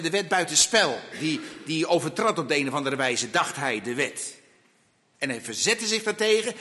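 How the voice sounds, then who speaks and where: A man preaching a sermon slowly and emphatically, asking rhetorical questions of his listeners. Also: high voice, pushed and bright, long reverb tail.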